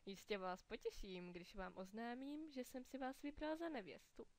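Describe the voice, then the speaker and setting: A woman's voice: a little high, lively intonation, a little mellow. A woman reading the part of a pompous prince suitor who sounds smug and self-important.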